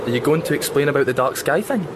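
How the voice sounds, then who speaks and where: A woman's voice: deep voice, lively intonation, fast talker, heavy background noise. A woman playing a pedantic, curious schoolboy with a British accent in a children's radio drama. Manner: pedantic, matter-of-fact.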